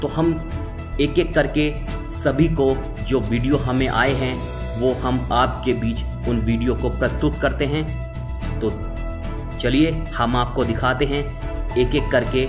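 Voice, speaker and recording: A man introducing a televised program in a measured, formal announcing manner. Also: medium pitch. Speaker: TV presenter. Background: clear background music.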